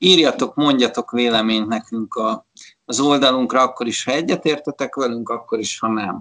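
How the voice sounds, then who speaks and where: The background is quiet as a man talks at medium pitch with ordinary pitch variation. His tone is bright and sharp. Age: 30s. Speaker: film podcast host. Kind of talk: casual chat; scripted narration. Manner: halting.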